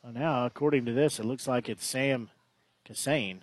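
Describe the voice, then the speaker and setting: A play-by-play baseball announcer speaks at a normal speed in a medium-pitched voice, with no room sound. He keeps it chatty and regularly corrects himself.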